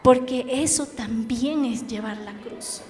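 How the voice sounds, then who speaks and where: High-voiced Bolivian woman preaching. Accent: Bolivian Spanish. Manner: earnest, emphatic preaching with dramatic pauses. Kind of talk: sermon. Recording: echoey hall with faint noise.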